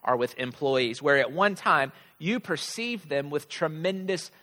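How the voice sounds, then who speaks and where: A man's voice: a little high, lively intonation, a little slow, pushed and bright. Man preaching in a big reverberant hall. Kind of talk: conversational sermon. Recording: large hall with long reverb.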